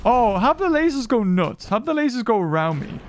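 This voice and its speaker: A man giving excitable, rambling let's play commentary into a desk microphone, thinking aloud as he plays. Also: extremely high pitch, fairly quick, a little hiss or hum. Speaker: gaming commentator.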